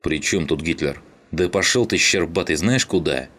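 A man's voice: low-pitched, normal speed, fairly bright tone. A man reading an audiobook, voicing a brash, mocking young skinhead.

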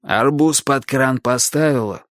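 Grumpy sleepy husband, husky voice, man, irritable; male reader doing the voice. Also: mid-range voice, a little slow, a bit bright, no room sound, studio quality, close to an everyday voice. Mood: grumbling. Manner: irritable, then placating. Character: hoarse sleepy grumpy husband just woken.

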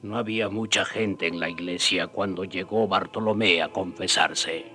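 A man's voice: low voice, fairly even intonation, normal speed, sharp tone, faint music behind. An actor playing a fiery, indignant indigenous rebel in a radio drama, challenging his friend in colloquial speech. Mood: grave recounting. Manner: challenging, rhetorical questioning, colloquial.

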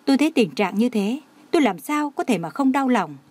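A woman's voice: a little high, expressive, brisk, a little mellow. Woman reading as a defiant tearful young woman. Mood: tearful indignation. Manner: indignant, pleading.

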